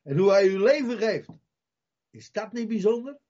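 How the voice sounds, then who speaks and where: A man's voice: sits high, expressive, moderate pace, highs cut off. A man preaching a sermon, repeating his key phrases with emphasis and putting questions straight to his listeners. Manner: emphatic, repeats key phrases, acts out Bible scenes with loud cries; addresses listeners directly with questions.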